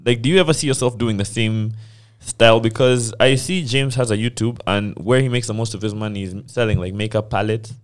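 A man's voice: fairly low pitch, fairly quick, hardly any pauses. A young man co-hosting a podcast, talking candidly and asking questions in a loose, slangy way. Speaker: podcast co-host. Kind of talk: casual podcast interview.

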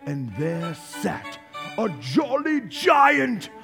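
A man playing a storybook narrator in a staged radio play, telling the tale in an expressive, drawn-out, dramatic way. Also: sits high, gravelly, full character voice. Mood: wondrous. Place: theater stage. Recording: live stage recording with music underneath.

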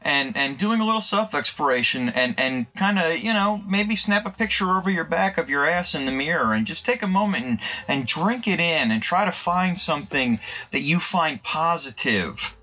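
A man's voice: on the high side, expressive, normal speed, few pauses, pushed and bright, highs cut off. A man co-hosting a comedy podcast, chatting casually in a teasing, playful way and laughing easily. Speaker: podcast co-host.

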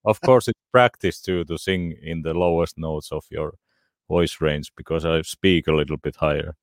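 Deep-voiced, modest man. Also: fairly even intonation, normal speed, dry recording, studio quality. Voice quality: very low, deep voice. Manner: modest, brief answers. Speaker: singer, interview guest.

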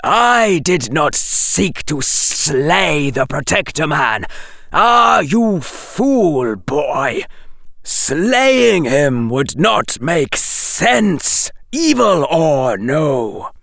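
A man putting on a haughty hissing snake with cut-short commanding phrases, raised higher than his narrating voice and drawn out very slowly. A dry, close reading with a gravelly edge. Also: big pitch swings, a bit bright, no room sound, full character voice. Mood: scornful. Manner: clipped hissing commands, dropped small words. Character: cold imperious hissing snake, male teacher. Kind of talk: audiobook character voice.

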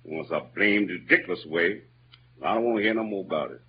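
A man's voice: fast talker, background noise. An actor playing Jim, a simple-hearted kindly man who speaks in a rural Southern dialect, in an old-time radio drama. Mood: puzzled, earnest. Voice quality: lively, swooping between low mutters and high exclamations. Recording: dull lo-fi old radio recording with music.

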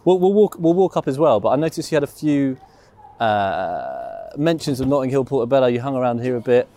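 A man's voice: mid-range voice, big pitch swings, fairly quick, warm tone. A man doing a casual walking interview, asking questions in an informal, matey, sweary way.

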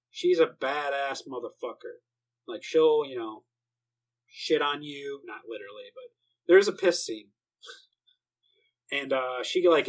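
A man's voice: mid-range voice, low-quality recording. A young man rambling casually about anime, swearing often and filling gaps with "like" and "uh". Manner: rambling, profane, frequent fillers. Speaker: anime fan. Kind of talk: casual monologue.

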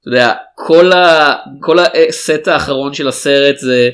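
A man co-hosts a casual film podcast. His voice sits a little high, and he rambles animatedly, often restarting his sentences and throwing in "you know." The talk is unscripted and conversational. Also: fairly bright tone. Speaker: podcast co-host. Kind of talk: casual film review chat.

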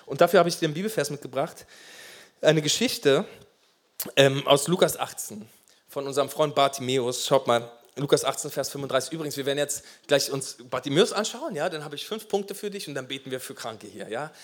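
A man preaching a sermon as pastor, passionate and emphatic, with swings between loud urgency and quiet asides. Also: mid-range voice, fairly quick.

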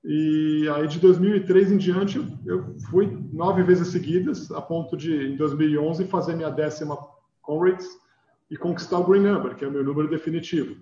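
A man's voice: a little high, steady tone, moderate pace, mellow, dull audio. Earnest Brazilian man on an echoey line. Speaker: guest, marathon runner. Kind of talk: casual interview answers.

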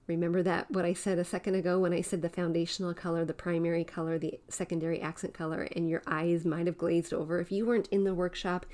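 A woman's voice: lowish voice, mellow. A woman hosting a home decorating podcast, explaining design ideas step by step and repeating her key points. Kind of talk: instructive podcast talk.

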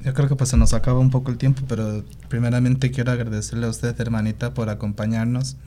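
A man's voice: medium pitch, level tone, quick pace, dark tone. A man hosting a casual conversational interview, recorded with some background noise. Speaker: interview host.

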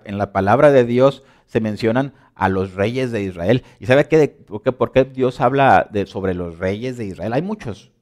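Guy preaching a sermon, chatty, keeps asking the crowd questions, swings from loud to hushed, stumbles and repeats words. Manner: conversational preaching with many rhetorical questions; dramatic swings between loud emphasis and soft low asides.

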